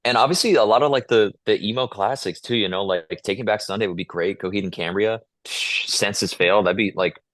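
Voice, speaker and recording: A man's voice: fairly low pitch, fairly quick, few pauses, a bit bright, no room sound. A man in his twenties chatting casually as an interview guest, in informal, slangy speech. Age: 20s. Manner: informal, slangy, peppers talk with "dude" and "like". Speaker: podcast guest, musician.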